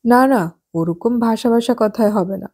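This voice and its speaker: A woman voicing a nosy, gossipy well-off married woman in an audiobook, chatty and sharp-tongued. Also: fairly high pitch, unhurried, husky. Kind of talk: audiobook character voice.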